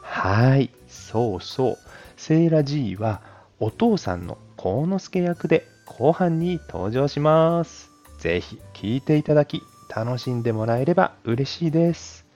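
A male audio host with a mid-pitched, mellow voice gives a courteous announcement to listeners. He speaks politely and adds chatty asides, with soft music running faintly underneath. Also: animated, unhurried, lo-fi sound. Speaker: audio channel host and amateur voice performer. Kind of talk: announcement and thank-you talk to listeners.

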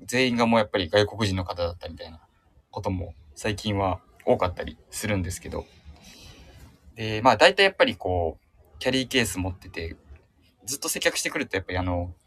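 Male guest, fairly low pitch, self-conscious rambling storyteller. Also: expressive, a little fast, fairly bright tone. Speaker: radio show guest, shop staff member. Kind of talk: casual chat and anecdote telling. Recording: remote connection audio.

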